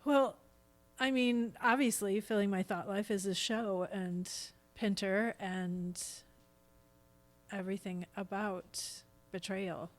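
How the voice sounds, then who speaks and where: Earnest middle-aged woman, mid-pitched. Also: fairly even intonation, takes it slowly. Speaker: podcast guest, stage actor. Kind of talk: conversational interview.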